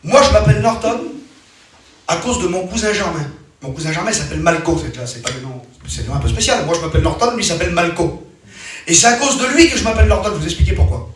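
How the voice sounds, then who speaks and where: A man's voice: high-pitched, animated, fast. A man preaching a sermon as a personal story, emphatic and repetitive, often restarting his sentences. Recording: very echoey hall, mic far off.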